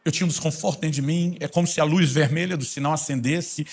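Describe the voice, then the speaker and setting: Brazilian male preacher with a somewhat high voice, delivering a fervent storytelling sermon. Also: fairly even intonation, fast talker, slightly rough. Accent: Brazilian Portuguese. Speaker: pastor.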